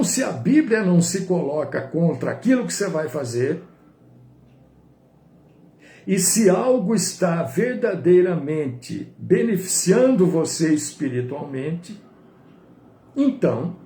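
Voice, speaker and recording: A man, a pastor, preaching a sermon in an animated way, swinging from high to low. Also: reverberant.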